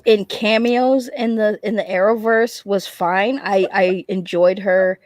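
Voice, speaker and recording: A woman talking casually in a group chat, animated and informal, often repeating phrases as she goes. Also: mid-range voice, a little slow. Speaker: panelist on an entertainment chat show.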